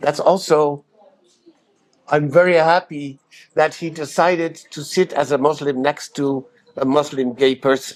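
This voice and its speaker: A man at a fairly high pitch, speaking at a fairly slow pace with long, frequent pauses. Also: fairly even intonation. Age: 60s. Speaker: documentary subject and teacher. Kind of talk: interview. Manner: halting.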